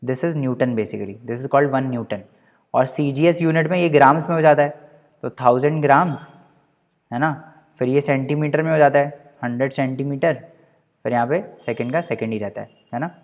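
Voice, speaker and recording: A man's voice: medium pitch, moderate pace. A man teaching a physics class, explaining step by step, repeating key points and checking in with the students after almost every sentence, mixing English terms into his talk. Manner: tags nearly every sentence with a checking question. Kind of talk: classroom lecture. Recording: long reverb room.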